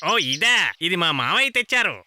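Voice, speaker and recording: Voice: mid-range voice, sing-song, brisk, sharp tone, a little hiss or hum. An actor voicing a chatty, giggly friend in a children's cartoon, with a breezy, exaggerated manner.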